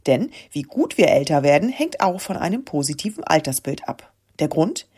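A woman reading a news report as scripted narration, in a measured way. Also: low voice, big pitch swings, darkish tone, breathy edge.

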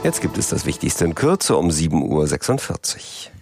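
A man presenting a morning news radio show, with brisk announcer-like delivery. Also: a bass voice, sing-song, gravelly, over loud music.

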